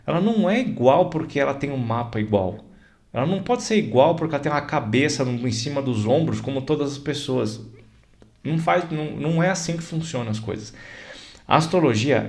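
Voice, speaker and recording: A man with a Brazilian Portuguese accent, an astrologer explaining ideas in a casual, conversational way and often checking that the listener follows. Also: medium pitch. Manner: conversational, repeats examples, checks in with "certo?" and "tá?".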